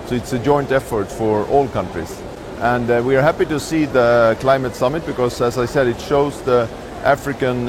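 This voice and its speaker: A man from Sweden who works at an embassy, speaking in a measured street interview with many filler pauses. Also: medium pitch. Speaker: embassy staff interviewed at a summit. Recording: outdoor noise.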